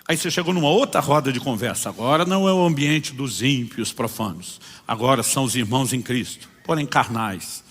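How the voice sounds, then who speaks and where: A pastor delivers a sermon full of acted-out anecdotes, telling stories animatedly and voicing the people in them. His medium-pitched voice is husky and fairly quick, with hardly any pauses, and long hall reverb fills the recording.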